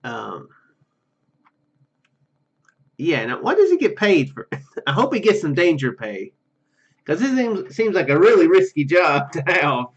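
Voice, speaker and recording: A man with a fairly high voice plays a story game for his viewers. He reads the narration aloud, tripping over words and dropping in casual comments. The microphone sound is a little dull. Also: very animated, moderate pace. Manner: stumbles over words while reading. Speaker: gaming video host.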